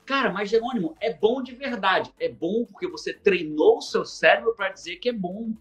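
Animated Brazilian man, faint music behind. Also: high voice, normal speed. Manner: animated storyteller who acts out quoted dialogue and swears casually. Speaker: coach, guest on a live stream. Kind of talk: energetic live-stream talk.

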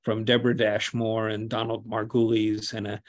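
A man's voice: fairly low pitch, monotone, moderate pace. Older man asking rambling interview questions. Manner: chatty, asks long rambling questions, frequent affirming. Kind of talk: conversational interview over video call. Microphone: video call.

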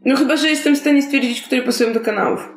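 Female RPG player, fairly high voice, casual, in an echoey room. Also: quick pace. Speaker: tabletop game player. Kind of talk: casual role-play chat. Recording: roomy echo, faint music. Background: music.

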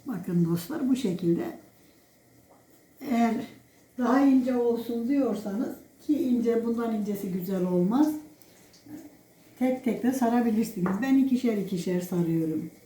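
Older woman, toothless speech, mellow tone, homely recipe presenter in an echoey room. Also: a little high, expressive, unhurried. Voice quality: toothless, soft-edged articulation. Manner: folksy, addresses viewers as friends, speaks in blessings. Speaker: home cook presenting a recipe. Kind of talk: casual homely cooking demonstration. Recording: roomy echo, faint background noise.

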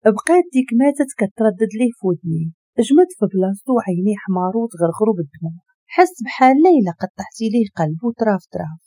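A woman with a Moroccan Arabic accent narrates a dramatic story at a quick clip. Her voice is mellow and warm, and her pitch moves a lot as she reads. The recording is dry and close. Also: no room sound. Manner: brisk, expressive reading.

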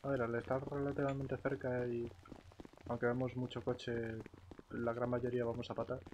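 A man's voice: mid-range voice, monotone, moderate pace, highs cut off. Man chatting in a game, noisy mic. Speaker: gamer roleplaying in a survival game. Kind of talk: casual in-game team chat.

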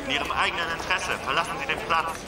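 A police officer calls out through a megaphone, his formal, clipped orders booming across an open street. The voice echoes and carries from some distance, with heavy noise behind it. It is a slightly raised male voice. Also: very fast, over loud music. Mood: commanding. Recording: echoey loudhailer from far off, noisy street.

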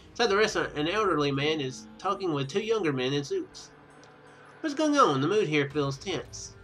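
Over game music, a young man hosts a casual let's play, his voice on the high side and a bit bright. He reads out the narration and adds comments, occasionally tripping over words and going back to reread them.

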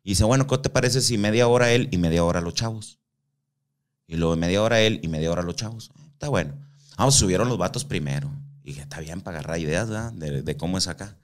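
Speaking low and at a quick pace, a man from Mexico shares casual stories as a guest. He leans on slang, swears a lot, and dramatizes the quotes he relays.

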